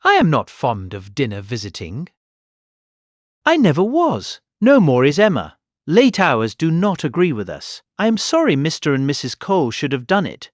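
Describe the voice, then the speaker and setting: An actor playing a fretful, gentle elderly gentleman, fussy and plaintive, in a period comedy audiobook. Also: fairly high pitch, wildly swooping pitch, normal speed, no room sound, clean studio sound. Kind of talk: audiobook character acting, period comedy of manners.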